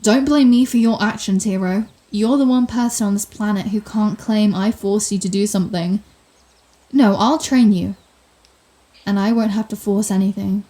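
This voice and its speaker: Woman playing a mellow, sardonic female supervillain. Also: mid-range voice, fairly even intonation, moderate pace, close to an everyday voice. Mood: grudging, teasing. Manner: theatrical, wry, flustered denials, grand pronouncements. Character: telepathic female villain, proud, sardonic, secretly soft-hearted. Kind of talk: intimate ASMR audio roleplay.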